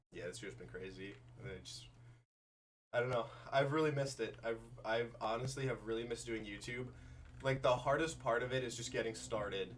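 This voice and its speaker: A man speaks with vocal fry and fairly even intonation. Audible room echo fills his long, frequent pauses. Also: medium pitch for a man, fairly quick pace, big swings in loudness. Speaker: gaming streamer. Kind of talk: live stream gaming chat.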